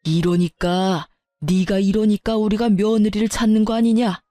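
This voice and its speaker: A woman's voice: medium pitch, fairly even intonation, normal speed, mellow, no echo, faint music behind, close to an everyday voice. A woman voicing an older father-in-law who berates his son with insults, in a dramatized story reading. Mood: furious.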